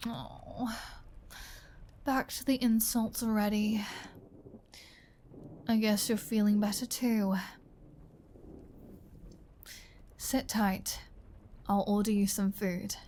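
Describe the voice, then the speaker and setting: A woman's voice: medium pitch, mellow, natural voice. A woman playing a flirty, teasing vampire with a sardonic, caring streak in an intimate ASMR roleplay, often dropping toward a whisper. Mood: teasing, fond. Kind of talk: ASMR roleplay audio drama.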